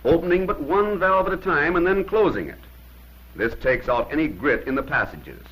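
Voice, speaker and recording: A man's voice: fairly high pitch, animated, normal speed, a bit bright, breathy edge, low-quality recording. A man narrating a 1950s instructional film in an emphatic, plain-spoken way, giving short commands on an old film soundtrack.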